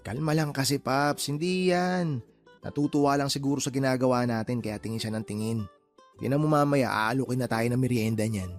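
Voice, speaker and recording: A man acting a playful, teasing younger friend in a radio drama, boastful and quick to joke. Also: mid-range voice, soft background music, lightly acted. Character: joking loyal younger male buddy, playful.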